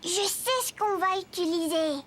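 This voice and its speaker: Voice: very high voice, unhurried, a bit bright. A performer voicing an eager, curious four-year-old boy in a French cartoon, with a small childlike voice and simple, earnest phrasing. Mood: playful. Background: music.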